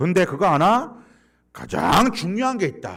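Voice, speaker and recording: Using vocal fry, a man talks at a very slow pace. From Gyeongsang region, Yangsan. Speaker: guest pastor. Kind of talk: sermon. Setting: church.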